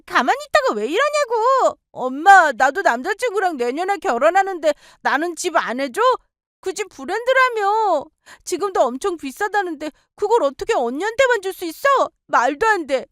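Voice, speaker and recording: A woman voicing a greedy young sister-in-law who whines and shouts. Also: very high-pitched, sing-song, normal speed, no room sound, studio quality, voice pushed up, full character voice. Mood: furious. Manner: whiny, shouting.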